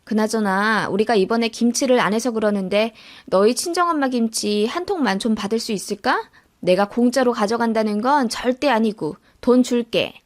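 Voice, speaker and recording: A woman's voice: fairly high pitch, normal speed, lightly acted. A woman voicing a grudging older mother-in-law in a radio-drama story, with curt, dismissive retorts. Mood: wheedling.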